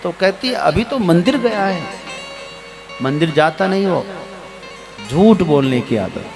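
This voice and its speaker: A man's voice: high-pitched, expressive, takes it slowly, vocal fry, over music. A man giving a Hindu religious discourse to listeners, preaching about raising children and acting out household exchanges with quoted voices. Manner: preachy, acts out household dialogue. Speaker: Hindu spiritual teacher.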